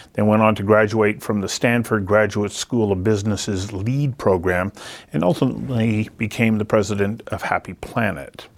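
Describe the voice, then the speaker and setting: A man hosting an interview show, reading a scripted introduction and then asking reflective, earnest questions in long measured sentences. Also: lowish voice.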